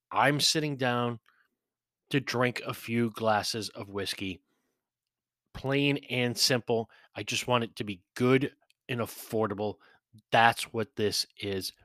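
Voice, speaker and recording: A man's voice: mid-range voice, fairly bright tone, dry recording, studio quality. Blunt, profane man reviewing whiskey. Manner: blunt, profane, chatty with mocking asides. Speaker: podcast host reviewing whiskey. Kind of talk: casual spoken review.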